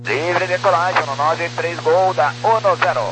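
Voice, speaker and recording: A man's voice: a little high, unhurried, a bit bright. A man working as a pilot, giving clipped procedural readbacks in aviation phraseology over a crackly, military-style radio. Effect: crackly military-style radio transmission. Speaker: airline pilot. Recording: crackly, noisy aircraft radio link.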